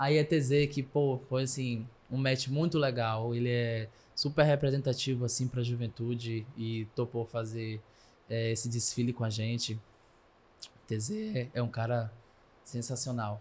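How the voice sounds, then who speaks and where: Over light background noise, a man speaks fairly slowly. His voice is somewhat breathy, with fairly even intonation. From Salvador, Bahia, Brazil; Bahia, Brazil. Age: 20s. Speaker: fashion brand founder; podcast guest. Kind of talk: casual interview chat. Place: studio. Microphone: studio mic.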